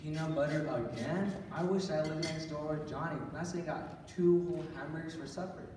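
A man's voice: fairly high pitch, steady tone, normal speed, darkish tone, close to an everyday voice. A man playing an eager, cheeky eleven-year-old little brother in a stage radio play. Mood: hungry, complaining. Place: large church auditorium, recorded from the audience. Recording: echoey hall from far off, faint noise.

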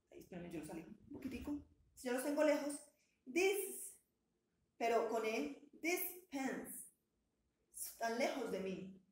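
A woman's voice: fairly high pitch, slight background noise. A woman teaching an English lesson. She is patient and encouraging and stretches out words to model their pronunciation. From Colombia. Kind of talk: bilingual language lesson. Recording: echoey room sound.

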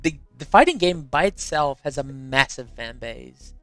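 A man chatting casually on a live stream, talking fast and stumbling over words, English not his first language. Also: medium pitch, animated, fairly bright tone, no room sound, faint music behind. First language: non-native English speaker. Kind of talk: casual chat.

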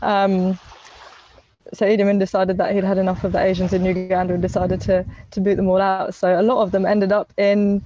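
A woman's voice: mid-range voice, level tone, a little fast, warm tone, soft background music. Young woman guest, casual and chatty, on a dull lo-fi video call line. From England. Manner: chatty, many restarts and fillers. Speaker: podcast guest. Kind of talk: casual interview chat. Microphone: earphone mic on a video call.

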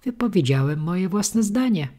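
A woman voicing a hoarse, philosophical male tuna who speaks with resigned dignity in a storybook reading. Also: on the low side, lively intonation, moderate pace, warm tone, voice pushed up.

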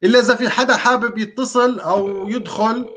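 Jovial high-voiced man. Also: fairly even intonation, a little fast, a bit bright, a little hiss or hum. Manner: jovial, laughs often, teasing. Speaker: co-host of a live quiz show. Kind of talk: casual live chat.

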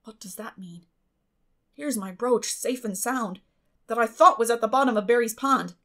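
A woman voicing a stern, plain-spoken older spinster with a brisk, firm manner in a storybook reading. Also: on the high side, a bit bright. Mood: baffled. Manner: brisk, firm, matter-of-fact.

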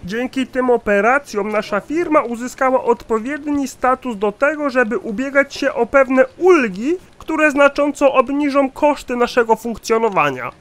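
A man's voice: extremely high pitch, lively intonation, moderate pace, few pauses, a bit bright. A man voicing a shady, dim-witted chief accountant in a satirical cartoon, officious and formal. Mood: proud, officious.

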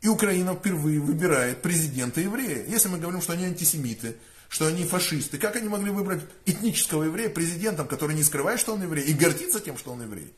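A man's voice: fairly high pitch, animated, fast talker, few pauses. A man in his thirties, a rabbi, giving an informal talk to the camera from a room at home, conversational and emphatic, often asking "right?" of his listeners. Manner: conversational, emphatic, frequent rhetorical "da?". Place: room indoors with curtains.

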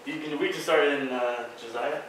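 A man's voice: medium pitch, steady tone, normal speed. Man asking questions in an echoey lecture hall. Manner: hesitant, filler-heavy questions. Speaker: student questioning mock jurors. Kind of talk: classroom role-play questioning. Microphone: far camera. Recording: echoey hall from far off, noisy.

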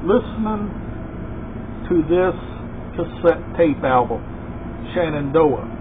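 A man in his forties hosts a homemade vlog in a very slow, halting way, circling back over short phrases. His voice sits a little high for a man. The sound is thin and phone-like, with clear noise behind him. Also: expressive. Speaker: host of a collection video channel. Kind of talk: casual vlog chat to camera. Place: small room indoors. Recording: tinny phone-like sound, loud background noise.

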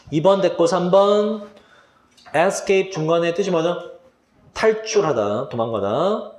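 Quizzing students on English exam vocabulary, a man poses questions and supplies the answers himself. His pitch is fairly high and his tone a little mellow, recorded in an echoey room.

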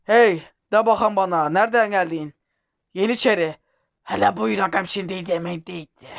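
A man putting on a gruff Black Sea-accented warlord, high-pitched. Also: moderate pace, dull audio. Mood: folksy. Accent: put-on Black Sea Turkish dialect. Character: rustic male warlord speaking in a rural dialect. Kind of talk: comic role-play over a game.

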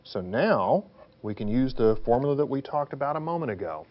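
Male technical instructor, lively intonation, emphatic step-by-step explainer, slightly muffled sound. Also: mid-range voice, brisk. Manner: didactic, emphatic, poses questions then answers them.

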